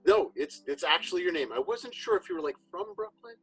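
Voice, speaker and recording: Man, husky voice, podcast host, easygoing rambling talk, soft music underneath. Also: fairly high pitch, fairly quick, rough recording. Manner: relaxed, rambling with frequent restarts. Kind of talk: casual spiritual chat.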